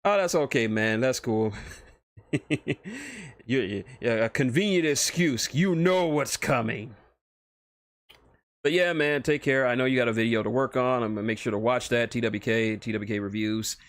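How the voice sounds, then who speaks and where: This streamer talks casually into a close mic, rambling about fan fiction in a profane, enthusiastic way. He has a medium-pitched voice at normal speed, and the recording is dry.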